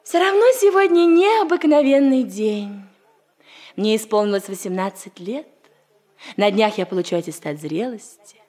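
A woman's voice: medium pitch, expressive, normal speed, darkish tone, natural voice. An actress playing a cheeky, lovestruck eighteen-year-old daughter who teases her mother, acted in a 1960s radio comedy style. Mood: teasing. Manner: pert, teasing, playful.

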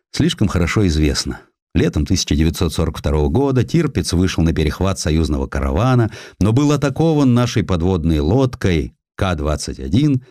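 A man with a low voice narrates history in a dramatic, scripted style. His intonation rises and falls widely as he stresses key phrases with measured emphasis. The recording is close and dry. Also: darkish tone, no room sound. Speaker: audiobook narrator.

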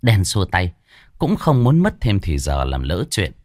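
Brief: male ghost-story narrator, lively swings in pitch, dry close-mic sound. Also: a little slow, dry recording. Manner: animated storytelling.

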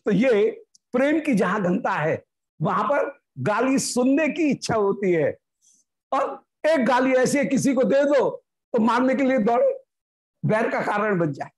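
A woman giving a devotional discourse, reciting Sanskrit verses and then explaining them slowly. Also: on the high side, lively intonation, breathy edge. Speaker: spiritual discourse speaker. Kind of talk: devotional scripture commentary.

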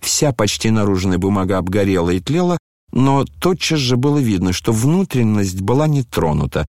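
Reading a classic novel aloud from a script, a male audiobook narrator keeps a steady, measured delivery in a low voice. The recording is dry and close, with no room sound.

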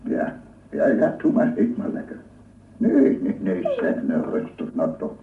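A man's voice: sits low, wildly swooping pitch, slow pace, slight background noise, full character voice. An actor playing an obsessive lone scientist in a radio play, cooing and murmuring repetitively as he does with his dog. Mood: playful, soothing. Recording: echoey, distant, phone-like old radio recording.

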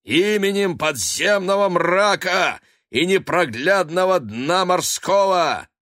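A man's voice: mid-range voice, big pitch swings, slow, fairly bright tone, dry recording, studio quality, pitched above the performer's own voice. A man voicing a menacing black male cat sorcerer who hisses threats and shrieks curses, for a storybook. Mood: shouting curse. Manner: sly, then shrieking curses.

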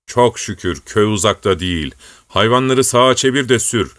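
Man doing a calm peasant wayfarer. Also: fairly low pitch, normal speed, no echo. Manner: calm, matter-of-fact. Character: calm male peasant wayfarer, steady and knowing.

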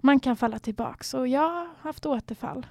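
A woman's voice: sits high, gravelly, dry recording, studio quality. A young woman from Sweden, candidly telling her own story in a reflective way, sometimes dropping to near a whisper. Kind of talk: personal storytelling.

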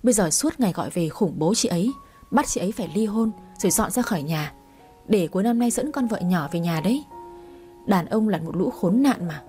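A woman's voice: medium pitch, expressive, a little fast, warm tone, faint music behind, close to an everyday voice. A woman voicing a young, outspoken female coworker who loves to gossip. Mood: gossipy. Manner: gossipy, blunt, chatty.

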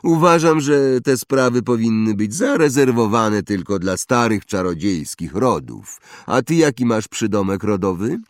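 A man's voice: on the low side, expressive, a little slow, no echo, clean studio sound, voice pushed up. A man voicing an arrogant, snobbish young wizard boy who boasts and mocks. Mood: boastful. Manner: boastful, mocking.

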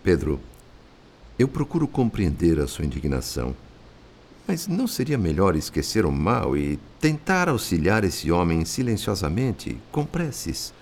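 A Brazilian actor playing a calm, compassionate male spirit who narrates a radio drama in a solemn, deliberate, literary manner. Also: low voice, slight background noise, full character voice. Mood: gentle, counselling.

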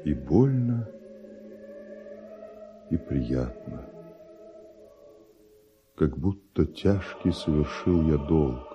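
Radio drama: tormented older rival composer, rock-bottom bass, extremely slow, grave theatrical verse. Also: male voice, very animated, lo-fi sound, music in the background, exaggerated voice. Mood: anguished relief. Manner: grave, weighty, deliberate theatrical delivery. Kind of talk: classic Russian radio drama verse acting.

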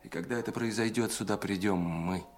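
An actor in an audio play voicing a cunning, embittered spy with a deliberate, theatrical delivery that moves between hushed and emphatic. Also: male voice, fairly low pitch, close to an everyday voice. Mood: bitter, menacing. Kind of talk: dramatic audio play acting. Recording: music under the voice. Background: music.

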